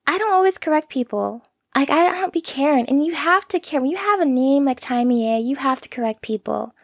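Quiet young woman musing on her podcast, kinda high voice, lots of vocal fry, earnest. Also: expressive, a little fast, no echo, studio quality. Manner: soft-spoken, earnest and self-reflective. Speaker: podcast host. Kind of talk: reflective solo podcast monologue.

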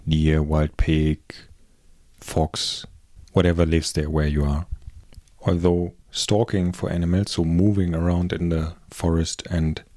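A man with a German accent hosting a podcast, speaking in a calm, reflective, measured way as he reads and explains. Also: low voice, no room sound, clean studio sound. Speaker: podcast host. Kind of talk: calm reflective podcast talk, reading aloud and commenting.

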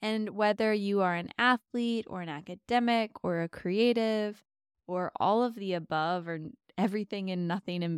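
Low-voiced woman gently guiding meditation. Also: clear, resonant tone, no room sound, studio quality. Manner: gentle, slow, spacious instructions with long pauses. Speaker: meditation podcast host and guide. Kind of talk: soft, soothing guided meditation.

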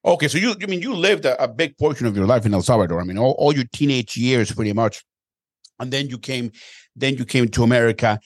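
A man's voice: mid-range voice, fast, no room sound. Enthusiastic male podcast host, dry sound. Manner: energetic, repeats words when starting sentences. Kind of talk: enthusiastic interview hosting.

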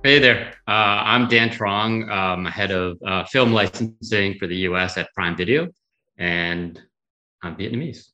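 A man in his thirties from Massachusetts, a guest answering thoughtfully with many pauses and fillers. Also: deep voice, bright, forceful tone, faint music behind, low-quality recording. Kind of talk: conversational interview.

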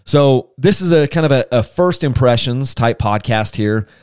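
A man's voice: medium pitch, expressive, moderate pace, darkish tone, clear, resonant tone, no room sound, studio quality. A man hosting a casual solo podcast, chatty and enthusiastic, rambling with frequent restarts. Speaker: podcast host.

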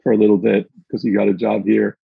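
Husky middle-aged man on roomy call. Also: fairly low pitch, little pitch movement, quick pace. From Argentina. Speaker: podcast guest, inclusion consultant. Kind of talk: conversational interview answers. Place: indoors, remote video call. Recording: dull, roomy video-call audio.

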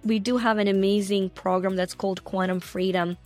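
A woman guest on a podcast talking about her coaching work in an earnest, animated way, often laughing as she speaks. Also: mid-range voice, fairly quick, soft background music. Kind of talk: conversational interview.

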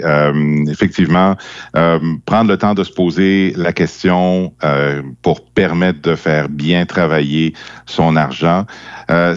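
Male podcast guest advisor, Quebec French accent, very deep, halting delivery, dry dull recording. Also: no room sound. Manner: halting, repeats words as he explains. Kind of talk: unscripted podcast explanation.

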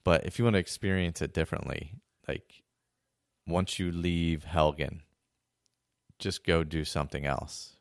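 Deep hoarse man, dry close sound. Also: steady tone, measured pace, no echo. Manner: rambling, many restarts and fillers. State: hoarse, losing his voice. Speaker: podcast host. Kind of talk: casual monologue.

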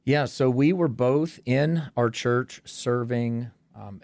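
A man's voice: lowish voice, a little mellow, dry recording. A man, a pastor from Tennessee, candidly telling his story as a podcast guest. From Tennessee, USA.

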